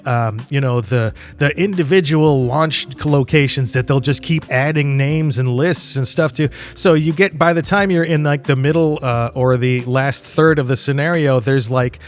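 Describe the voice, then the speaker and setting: Middle-aged man, higher-pitched voice, casual podcast. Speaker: podcast host. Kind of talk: casual rambling podcast monologue.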